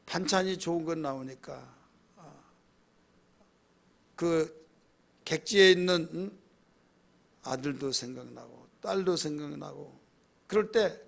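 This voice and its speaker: A man's voice: a little high, creaky, a bit bright. A male pastor preaching a sermon in a conversational way, asking the congregation questions.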